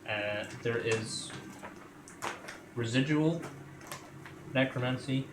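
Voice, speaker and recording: A man's voice: medium pitch, takes it slowly, background noise. A man narrating a tabletop game off the cuff as game master. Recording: echoey room, music underneath.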